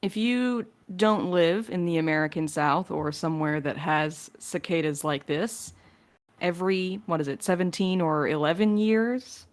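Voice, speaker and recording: A woman's voice: lowish voice, a little slow. A woman in a casual podcast Q&A, talking playfully as one of the crew fielding questions.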